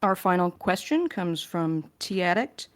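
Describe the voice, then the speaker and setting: A woman's voice: lowish voice, sing-song, measured pace. A woman in a casual podcast Q&A, talking playfully as one of the crew fielding questions.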